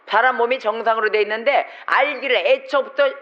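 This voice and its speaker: Animated high-voiced male pastor preaching. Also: brisk, lo-fi sound. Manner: animated, conversational, rhetorical questions. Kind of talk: Sunday sermon. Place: church sanctuary.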